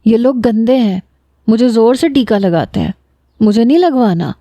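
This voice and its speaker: A woman's voice: on the high side, expressive, mellow, no echo, natural voice. A woman voicing an injured young man with amnesia who whines and pouts like a scared child, in a storybook reading. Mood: sulky. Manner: whiny, pouting, childlike threats.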